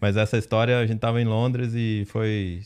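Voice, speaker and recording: In a Paraná accent, the voice moves at a moderate pace with monotone, flat intonation over a quiet background. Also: man. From Paraná, Brazil (Francisco Beltrão, interior). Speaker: company CEO. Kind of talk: interview storytelling.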